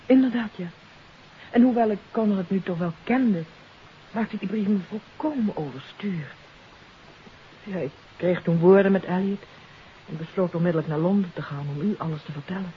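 An actress playing a troubled countess in a 1950s radio mystery, confessing earnestly and hesitantly. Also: female voice, medium pitch, normal speed, close to an everyday voice. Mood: agitated. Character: troubled countess confessing her part in a kidnapping. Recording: hissy, dull 1950s radio recording.

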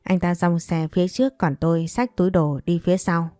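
Brief: woman storyteller, first person, blunt and hot-tempered, low mellow voice. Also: fairly even intonation, fairly quick, no echo, studio quality, faint music behind. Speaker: narrator.

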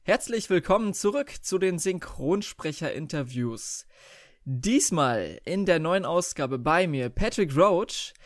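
A man presenting an interview as its host. His voice sits a little high, and the sound is close and dry with no room on it. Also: animated, slow, no echo.

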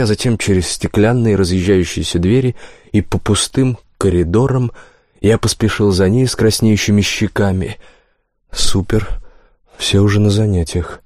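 Low-voiced man reading a first-person novel. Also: dry recording, studio quality. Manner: calm, steady storytelling with wry asides. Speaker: audiobook narrator.

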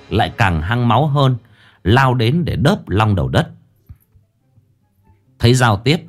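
A man narrating a comic ghost story in an animated storytelling manner. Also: lowish voice.

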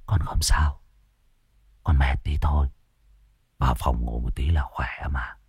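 A man's voice: very deep voice, fairly even intonation, measured pace, darkish tone, husky, no echo, clean studio sound, voice pushed down, full character voice. A man voicing a possessed young man who speaks in a faint, breathless whisper. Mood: eerie.

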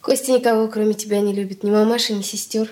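An actress playing a resentful, sharp-tongued young sister in a radio drama, quick and blunt. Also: female voice, mid-range voice, fairly even intonation, lightly acted. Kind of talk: 1980s studio radio drama acting.

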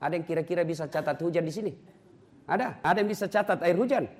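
A man's voice: on the high side, fast. A middle-aged man, preaching a humorous sermon to a mosque gathering and teasing his listeners. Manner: joking, lively, teasing the audience.

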